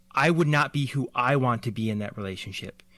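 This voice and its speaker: A man with a normal speaking voice and an American accent, medium pitch, ordinary pitch variation, moderate pace, very clean recording with a silent background. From US Midwest, Michigan. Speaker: podcast host. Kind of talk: casual chat.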